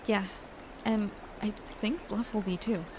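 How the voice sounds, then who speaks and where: A woman playing a hesitant, wry young woman in an audio drama, with a halting delivery. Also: mid-range voice, steady tone, noisy background, close to an everyday voice.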